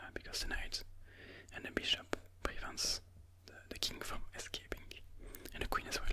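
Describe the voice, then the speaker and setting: A moderate pace of whispering broken by long, frequent pauses. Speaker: chess explainer. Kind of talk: ASMR chess game walkthrough. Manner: whispered. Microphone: studio mic.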